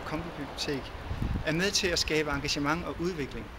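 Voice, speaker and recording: A man with a fairly high voice talks at a moderate pace amid noticeable background noise and audible room echo. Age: 40s. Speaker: local election candidate. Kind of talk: campaign address. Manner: hesitant with filler sounds.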